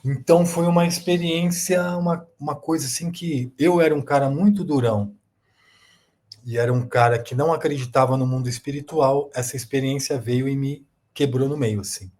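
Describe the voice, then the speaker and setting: A man's voice: mid-range voice, moderate pace, darkish tone. A Brazilian Portuguese-speaking man, a guest, telling a personal testimony in a rambling way with many fillers and repeated words.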